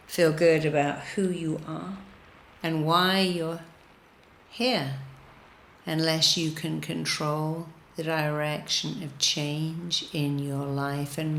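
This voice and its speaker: Slow, low-voiced woman guiding meditation. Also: vocal fry, echoey room, slight background noise. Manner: soothing, deliberate, repetitive instructions with pauses. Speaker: guided meditation leader, hypnotherapist. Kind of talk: guided meditation narration.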